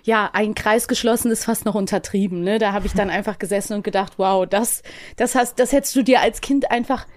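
A woman's voice: medium pitch, brisk. A woman speaking as a podcast guest, a voice actress telling personal stories in a casual way.

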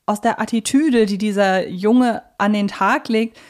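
A woman co-hosting a talk podcast reflects aloud in a conversational yet analytical way, laying out her view point by point. Her voice is mid-range and unhurried.

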